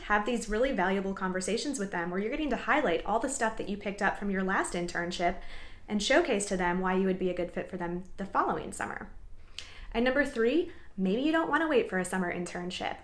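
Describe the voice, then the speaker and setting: A young adult woman giving advice in an upbeat, encouraging, tidy vlogger manner, addressing viewers directly. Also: mid-range voice. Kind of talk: upbeat advice vlog to camera. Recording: echoey room.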